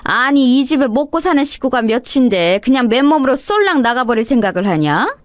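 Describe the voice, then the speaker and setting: A woman voicing a furious older mother-in-law who shouts and berates her daughter-in-law in coarse words. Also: high voice, very animated, a little fast, dry recording. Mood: raging scold. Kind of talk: dramatized story reading.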